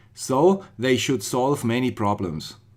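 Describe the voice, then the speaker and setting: In a Swiss accent, a man speaks at a very slow pace and medium pitch. Pitch variation is ordinary, and the recording is very clean with a silent background. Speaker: electronics YouTuber. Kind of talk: tutorial.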